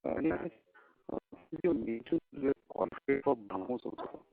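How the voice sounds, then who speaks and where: A man's voice: medium pitch, expressive, a little slow, gravelly, no echo, faint music behind. A man calling in on a phone line whose voice keeps breaking up as he checks whether anyone can hear him. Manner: repeatedly checking if he can be heard. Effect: voice breaking up on a bad phone line. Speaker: caller.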